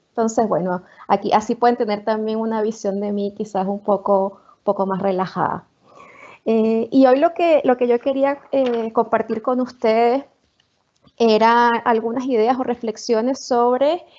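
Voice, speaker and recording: Speaking in a Venezuelan accent at a fairly slow pace, a woman has a fairly high pitch with ordinary pitch variation. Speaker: marketing executive. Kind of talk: online talk. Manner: hesitant with frequent fillers.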